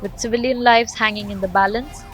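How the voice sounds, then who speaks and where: A woman's voice: a little high, steady tone, brisk. A woman reading a scripted news voice-over as the narrator of a report. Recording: background music under voice-over. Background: music bed.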